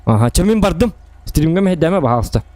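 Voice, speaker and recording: A man's voice: fairly high pitch, big pitch swings, a little fast, a little mellow. A man with as his language, chatting casually and playfully as he streams an online role-play game, asking questions and repeating himself. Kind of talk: casual improvised in-game chat.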